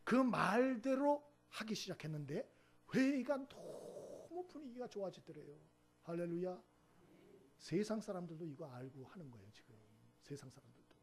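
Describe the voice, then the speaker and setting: Husky pastor preaching animated sermon. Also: male voice, high voice. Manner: animated storytelling, acts out quoted speech, asks the congregation "응?".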